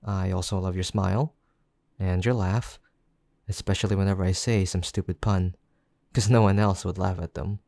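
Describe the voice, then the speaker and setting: A man playing a caring, gently teasing young boyfriend in an intimate, affectionate roleplay, speaking softly and unhurriedly. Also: low voice, steady tone, moderate pace, gravelly, no echo, studio quality. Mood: playful affection. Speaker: voice actor in boyfriend roleplay audio.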